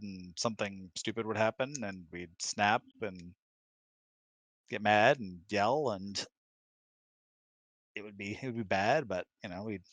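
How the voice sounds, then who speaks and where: A man talking casually in a question-and-answer chat, explaining things in a thoughtful, halting, emphatic way. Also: lowish voice, fairly bright tone, dry recording. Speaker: husband co-hosting a live Q&A. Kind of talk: casual conversational advice chat. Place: close-miked online voice chat, dry.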